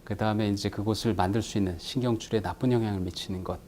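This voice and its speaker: A middle-aged man, an orthopedic doctor, explaining treatment and stretching exercises in a calm, measured way as a studio guest. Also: on the low side, a little hiss or hum. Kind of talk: explanatory medical talk.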